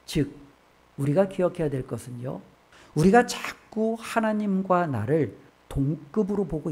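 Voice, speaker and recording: A man's voice: sits high, a little mellow. A male pastor preaching a sermon in a church, delivering emphatic points with frequent rhetorical questions. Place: church sanctuary.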